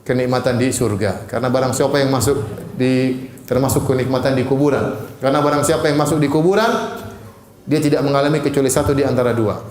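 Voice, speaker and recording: A man's voice: medium pitch, a little mellow, reverberant. A middle-aged man with an Indonesian accent giving a study lecture as a preacher, often asking the audience questions and answering them himself, joking as he acts out angry prayers. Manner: jokes and laughs while acting out angry prayers.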